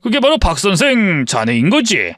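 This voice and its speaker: A man's voice: high-pitched, wildly swooping pitch, moderate pace, a bit bright, dry recording, studio quality, full character voice. A man doing a folksy older hospital director. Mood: genial. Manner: folksy, authoritative, chuckling. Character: older male hospital director, genial but stern.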